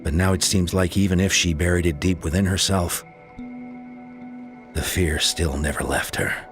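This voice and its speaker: A man's voice: deep voice, steady tone, normal speed, music in the background, lightly acted. A man voicing a grave, caring tribal leader in a video game, telling things as dramatic storytelling. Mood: solemn, sorrowful.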